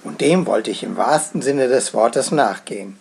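A man narrating his own story as a guest storyteller, in a gentle, expressive telling. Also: mid-range voice, normal speed, creaky, a little hiss or hum. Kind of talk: first-person story narration.

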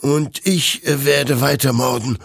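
A man's voice: mid-range voice, fairly even intonation, a little slow, creaky, husky, no echo, studio quality, voice pushed up. A man voicing a frightened, desperate young soldier who talks in a strained, pleading, stammering way. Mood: frantic.

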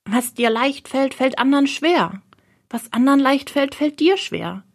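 A woman voicing a gentle, wise female bird in an audiobook, speaking softly and measured. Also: high voice, expressive, heavily acted. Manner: soft, measured. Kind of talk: audiobook role reading.

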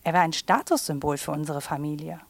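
A woman's voice: low voice, a little fast, slight background noise. A woman voicing an unhappy young princess in a dramatic, storybook cartoon monologue for a mystery game. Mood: sorrowful, lamenting. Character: unhappy young princess, lamenting her captivity and wounded knight.

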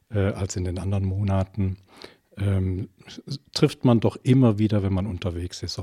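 Older male guest, halting and hesitant, lowish voice. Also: dark tone, breathy edge, dry recording, studio quality. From Eifel, Germany. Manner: hesitant, many ums and restarts. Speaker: interview guest. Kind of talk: conversational interview answers.

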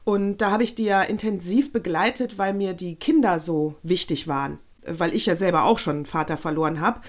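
A woman's voice: fairly low pitch, a little fast. A middle-aged woman co-hosting a podcast, chatting casually and telling rambling anecdotes full of restarts. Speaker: podcast co-host. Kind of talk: casual chat.

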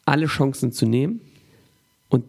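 Hosting a business podcast in a conversational interview, a man sums up his guest's points and leans heavily on filler sounds. He speaks at a moderate pace in a middle-pitched voice marked by strong, gravelly vocal fry.

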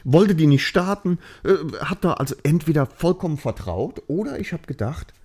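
A man's voice: on the high side, expressive, moderate pace, a little mellow. A man hosting a podcast, telling a story in a loose, chatty way full of fillers and tag questions. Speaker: podcast host. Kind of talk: casual storytelling chat.

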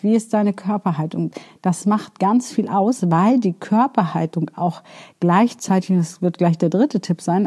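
Woman, coaching talk, direct and earnest, warm mellow tone, rhetorical questions. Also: on the low side. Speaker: self-improvement coach. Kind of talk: spoken coaching advice.

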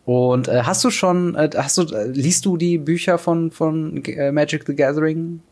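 A young man co-hosting a casual podcast, talking with many pauses and fillers. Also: a little high, fairly even intonation, a little mellow. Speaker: podcast co-host.

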